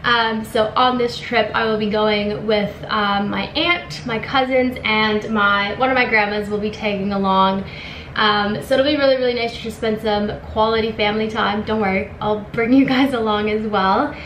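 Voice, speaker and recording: A young Venezuelan woman vlogs about lifestyle to a camera set in front of her at a desk, chatting upbeat in her bright apartment room, full of ums and likes. Her medium-pitched voice is steady, a bit bright, and moderately paced. The rough recording has an echoey room and a little hiss or hum.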